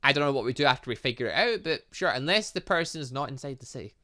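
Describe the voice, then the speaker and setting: A man giving let's play commentary on a game, excitable and reactive, reading dialogue aloud as he goes. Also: mid-range voice, fast. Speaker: gaming channel host.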